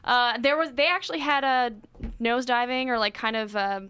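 A woman's voice: fairly high pitch, fairly even intonation, brisk, bright, forceful tone, a little hiss or hum. A woman chatting informally as a podcast panelist, with a giggly manner. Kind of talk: casual chat.

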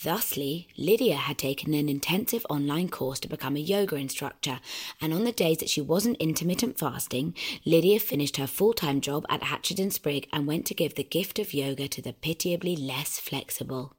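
An actress narrating a comedy as a gentle, soft-spoken narrator. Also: female voice, sits low, moderate pace, breathy edge. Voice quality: soft, calm delivery. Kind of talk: scripted comic narration. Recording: music playing behind.

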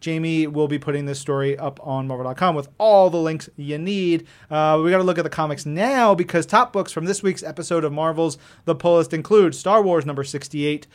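A man with a fairly high voice hosts a chatty podcast. He speaks effusively, leaning hard on emphatic words and tossing in casual slang as he goes. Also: a little fast, few pauses. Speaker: podcast co-host. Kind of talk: enthusiastic comics chat podcast.

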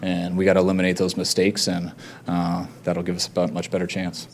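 A man speaking as a head coach at a post-game press conference, halting and measured with many fillers. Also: deep voice, monotone.

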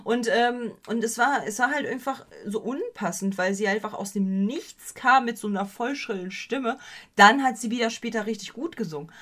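This is a woman podcast host in relaxed conversation, her voice sitting a little high. She talks in a playful, rambling way, full of fillers and restarts, with English slang mixed in. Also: moderate pace. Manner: many fillers and self-corrections. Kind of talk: casual chat.

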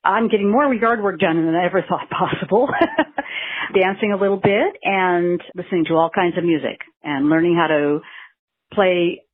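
A woman's voice: lowish voice, normal speed. A woman leaving an upbeat voicemail message as a listener caller, listing her hobbies with small laughs. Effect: leaving a voicemail over a phone line. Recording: tinny phone-line voicemail.

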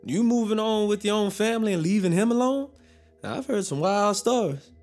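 An actor in an audio drama playing a young enslaved apprentice who asks curious, blunt questions. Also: male voice, sits high, animated, moderate pace, a little mellow, faint music behind.

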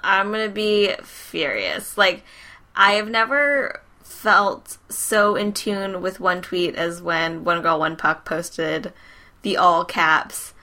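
A woman in a casual hockey chat, animated and rambling, with some profanity. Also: on the low side, takes it slowly.

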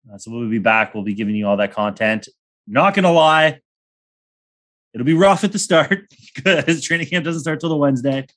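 A man's voice: mid-range voice, moderate pace, fairly bright tone. A young man hosting a sports podcast in casual chat, rambling and joking with crude humor. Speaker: podcast host.

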